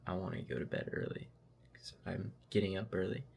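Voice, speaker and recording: A man's voice: low-pitched, fairly even intonation, fairly quick, creaky, darkish tone, a little hiss or hum. A young man talking casually to the camera at home in a vlog, reflective and self-motivating. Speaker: vlogger. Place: at home, indoors.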